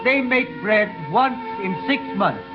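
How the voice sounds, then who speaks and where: A solemn old bishop preaching. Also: male voice, high-pitched, lively intonation, a little slow, over music. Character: humble, compassionate old male bishop. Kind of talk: 1930s radio acting. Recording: muffled old radio broadcast.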